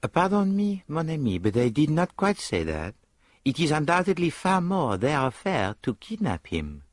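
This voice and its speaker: A fussy, excitable Belgian detective, as a male narrator puts him on, in a storybook reading. His voice sits high and swings all over with a breathy, husky edge. The recording is close and dry. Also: dry recording. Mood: animated, pondering. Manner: theatrical, rising pitch, quick bursts. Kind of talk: audiobook character voice.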